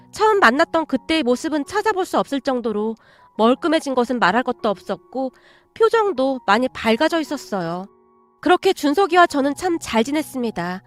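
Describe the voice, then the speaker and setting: A woman reads a heartfelt radio story in a steady first-person voice. Her pitch is high, and faint music plays underneath. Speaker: story narrator.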